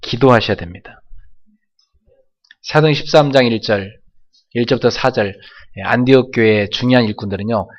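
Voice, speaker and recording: A man of middle pitch preaching to his congregation in a church. He keeps asking them to answer back and repeat his lines, and his voice drops low for asides before climbing into loud, ringing cries. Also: normal speed, long pauses, dull audio. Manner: emphatic preaching with call-and-response prompts; swings from soft asides to loud exclamations. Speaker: pastor. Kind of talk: sermon. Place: church sanctuary.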